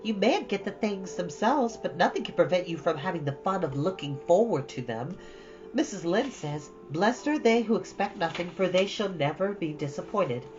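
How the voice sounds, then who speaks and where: A woman's voice: fairly low pitch, expressive, normal speed, over music, close to an everyday voice. A woman voicing a dreamy, romantic, chattering young girl in a storybook, gushing with dramatic earnestness. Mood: thrilled, earnest. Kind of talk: storybook read-aloud. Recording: dull, lo-fi, faint background noise.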